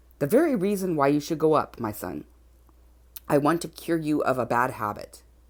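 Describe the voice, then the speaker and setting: The speaker uses a raspy, put-on character voice at a moderate pace. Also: man, fairly high pitch for a man. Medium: read story. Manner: commanding, brusque.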